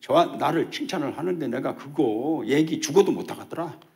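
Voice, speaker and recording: An older man gives a testimony sermon as a church elder, talking quickly. His pitch leaps up and down as he acts out the dialogue in his story, which keeps the storytelling animated. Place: church service.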